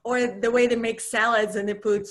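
A woman's voice: on the high side, little pitch movement, brisk. Chatty Russian-born woman, laughing guest. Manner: chatty, laughs often, many fillers. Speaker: podcast guest. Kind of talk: casual interview chat. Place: home. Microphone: video call.

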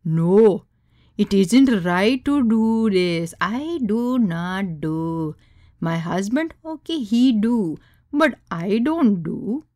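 A woman voicing a deadpan, disapproving Indian woman with a thick Indian accent and an emphatic, clipped way of talking. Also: medium pitch, drawn-out words, dry recording, clean studio sound. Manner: deadpan, serious, clipped insistent delivery.

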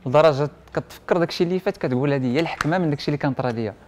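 Here a printing and IT technician, a young Moroccan man interviewed as a guest, races through a casual personal story in a fairly high voice. His Moroccan Arabic is sprinkled with French words and quoted dialogue, with slight background noise behind him.

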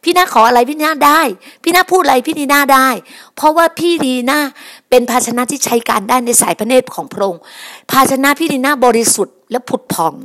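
Emphatic woman preaching, high voice. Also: expressive, fast talker, few pauses, a bit bright. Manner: emphatic, repetitive, calls listeners brothers and sisters. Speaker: preacher and podcast host. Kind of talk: sermon.

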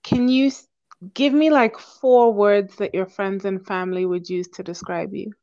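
A woman's voice: medium pitch, fairly even intonation, normal speed, dark tone, lo-fi sound. A woman interviewer asking casual questions in a chatty, encouraging way.

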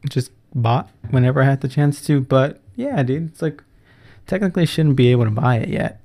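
A twenty-something man rambles through a casual solo podcast episode, cursing, laughing, and often correcting himself as he goes. His voice is medium-pitched and a little mellow.

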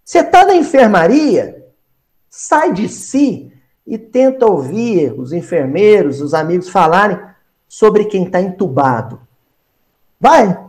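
A man with a Brazilian accent teaching a Spiritist gospel study, animated, acting out small scenes and repeating phrases for emphasis. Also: sits high, slow pace. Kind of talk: spoken gospel study lesson.

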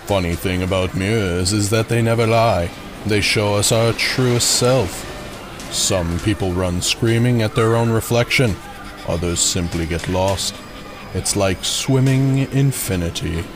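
A man playing a sinister, knowing carnival showman in a dark audio drama, with an ominous, poetic and politely menacing manner. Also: fairly low pitch, measured pace, natural voice. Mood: ominous, musing. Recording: music under the voice.

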